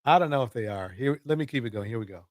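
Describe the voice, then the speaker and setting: A man's voice: mid-range voice, lively intonation, fast, no echo, clean studio sound. A man hosting a reaction show, commenting casually and repeating himself for emphasis, often with a chuckle.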